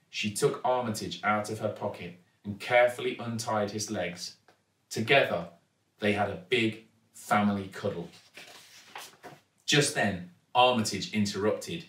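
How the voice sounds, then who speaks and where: A British man reading a children's story aloud in a dramatic, deliberate way. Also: lowish voice, fairly bright tone. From United Kingdom. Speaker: actor reading a children's book. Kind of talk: expressive storybook narration. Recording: echoey room, distant mic.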